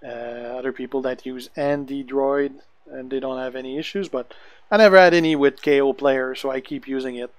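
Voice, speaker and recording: A man with a French accent, a native French speaker, chatting casually to viewers on a gaming live stream, relaxed and chuckling often. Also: mid-range voice, a little fast, no room sound.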